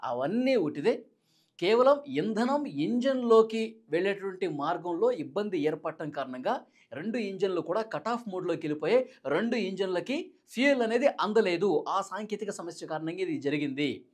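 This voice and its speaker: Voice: mid-range voice, husky. A Telugu news presenter giving explanatory commentary in a dramatic, emphatic manner, repeating key points.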